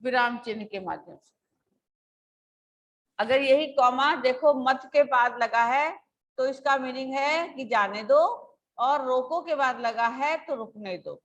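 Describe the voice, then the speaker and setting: High-voiced woman teaching a patient lesson. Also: a bit bright, muffled recording. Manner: patient, explains slowly with examples. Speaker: school teacher. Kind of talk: online class lecture.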